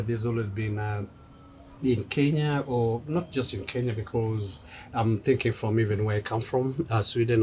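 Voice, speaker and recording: A man hosting a casual interview, asking long, rambling questions full of fillers. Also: mid-range voice.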